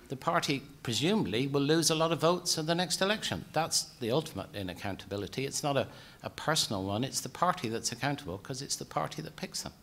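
A man's voice: mid-range voice, fairly bright tone. A middle-aged man speaking as a panelist at a public convention, reasoning in a conversational way into a stand microphone in a large conference hall.

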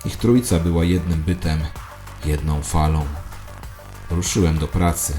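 A man's voice: a bass voice, fairly even intonation, unhurried, dark tone. A man narrating a scripted first-person audio drama in a literary, confessional storytelling manner. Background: music.

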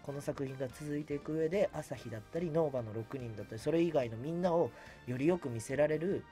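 A man's voice: a little high, fast, warm tone, soft background music. A man speaking casually as a guest on a radio show, modest and self-deprecating. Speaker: guest voice and stage actor. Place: radio studio, masked at a table. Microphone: studio boom microphone.

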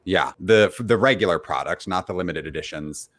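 A man's voice: sits low, animated, normal speed, fairly bright tone. A man in his thirties asking casual questions as a contestant in an online guessing game. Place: living room on a video call.

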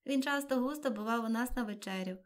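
An eager, polite young girl from a storybook, her voice lifted noticeably higher and brighter than the reader's own, as a woman puts her on. She exclaims with quick, wide-eyed enthusiasm. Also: lightly acted.

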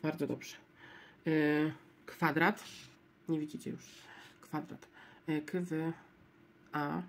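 Casting: woman vlogger, low voice, unhurried, murmurs letters aloud while checking scratch cards. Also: flat delivery, vocal fry, fairly bright tone, slight background noise. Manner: spells out letters one by one, low-key and murmuring. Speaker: lottery scratch-card vlogger.

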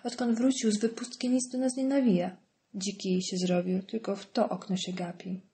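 A woman's voice: mid-range voice, fairly even intonation, normal speed, warm tone, close to an everyday voice. A woman voicing a bitter, cynical male prison inmate in an audiobook.

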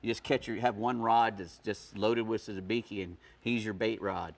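A man's voice: fairly low pitch, steady tone, normal speed, gravelly. A middle-aged man giving fishing tips in a casual studio chat, folksy and rambling with frequent restarts. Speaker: fishing guest expert. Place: TV studio set.

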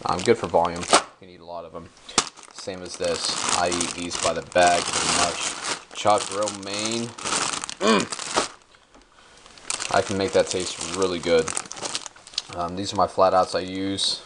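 A man's voice: deep voice, level tone, unhurried, pauses often, very noisy. A young man vlogging casually from his home kitchen, laid-back and slangy with lots of ums and uhs, talking to a handheld camera while crinkling grocery bags. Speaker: bodybuilder vlogger. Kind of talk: casual grocery haul show-and-tell. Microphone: handheld camera held close. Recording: crinkling bags and clicks close by.

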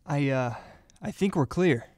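A man's voice: fairly high pitch, animated, a little slow, darkish tone, a little hiss or hum. An actor playing a reckless, defensive young gunman in an amateur radio drama. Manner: defensive, pleading.

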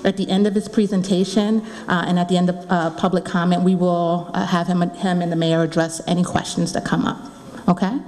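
A woman's voice: lowish voice, little pitch movement, a little fast, darkish tone. A woman in her forties giving housekeeping announcements to an audience at a town hall meeting from a podium microphone. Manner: friendly, coaxing the audience. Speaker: school district community engagement officer. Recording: long reverb of a meeting room.

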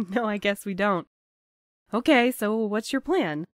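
A woman playing a gentle, hesitant, romantic young courier in an audio drama, thoughtful and a little awkward. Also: medium pitch, animated, takes it slowly, dry recording, clean studio sound. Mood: wary, wistful.

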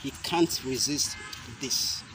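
A young man demonstrating self-defense moves, explaining each step slowly and deliberately, with sharp shouted cries on the strikes. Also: medium pitch, faint music behind. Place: outdoor concrete court. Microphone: camera mic at a distance. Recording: outdoor noise from a camera mic.

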